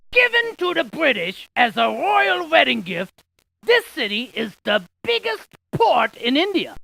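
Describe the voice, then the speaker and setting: A woman's voice: high voice, creaky, sharp tone, no room sound, full character voice. A woman playing a quirky, chatty scientist in an educational game, delivering facts with theatrical emphasis and wordplay. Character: quirky, chatty female scientist spouting geography trivia. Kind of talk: animated educational game character lines.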